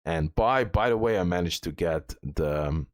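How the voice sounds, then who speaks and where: Male gaming creator, lowish voice, casual walkthrough commentary, repeats himself for emphasis, close dry sound. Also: expressive, moderate pace, no room sound.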